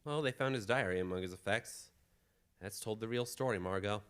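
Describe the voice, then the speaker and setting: A man playing an earnest, protective gentleman hero in an old-time radio drama style. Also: fairly low pitch, a little fast, smooth, close to an everyday voice. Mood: grave explaining.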